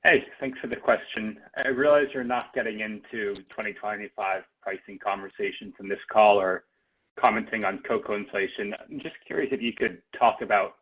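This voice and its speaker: A male analyst with a lowish, husky voice puts polite questions on a business call. The audio is thin and phone-like. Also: normal speed. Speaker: financial analyst asking questions. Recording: rough narrow phone line.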